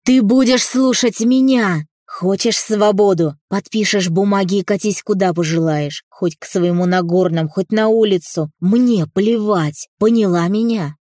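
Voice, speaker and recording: A woman's voice: lowish voice, slow pace, hardly any pauses, no echo, clean studio sound. A woman voicing a furious snarling father. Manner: snarling, shouting, threatening. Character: furious domineering middle-aged father, rich businessman. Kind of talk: audiobook character reading.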